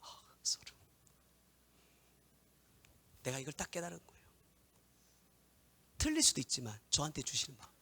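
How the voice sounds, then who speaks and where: A man in his thirties, a pastor preaching a sermon, swinging from loud exclamations to hushed whispers. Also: fairly high pitch, wildly swooping pitch, fast talker, vocal fry, pauses often.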